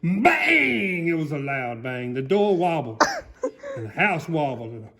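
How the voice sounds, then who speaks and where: Hammy country gator, swooping pitch. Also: male voice, very animated, takes it slowly, background noise, full character voice. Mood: hammy, excited. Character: folksy, excitable country alligator telling a storybook tale. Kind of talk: dramatic storybook reading, played for comedy.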